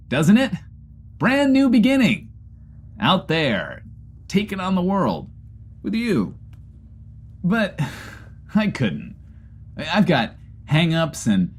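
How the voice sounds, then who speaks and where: A man's voice: fairly high pitch, huge pitch swings, takes it slowly, pauses often, husky, heavily acted. An actor playing a neurotic, self-absorbed radio host who broadcasts from a bunker. He mocks himself, then turns grandiose, in a comedy audio drama. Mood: wistful.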